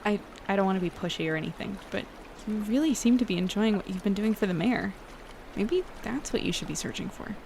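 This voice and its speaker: Actress as an earnest young woman, lightly creaky voice. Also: medium pitch, a little fast, darkish tone, a little hiss or hum, lightly acted. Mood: gentle, encouraging. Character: earnest, guilty young woman, anxious loyal friend. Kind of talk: audio drama acting.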